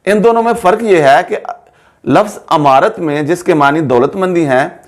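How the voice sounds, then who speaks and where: A man teaching an Urdu pronunciation lesson, slowly repeating each word to show how it is said. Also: on the high side. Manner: slow, careful, repeats words to stress pronunciation.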